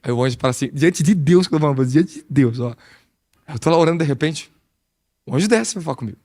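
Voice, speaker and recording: Speaking quickly in a voice on the high side, a man gives an animated, conversational sermon as an apostle. He has a Brazilian Portuguese accent and poses frequent rhetorical questions.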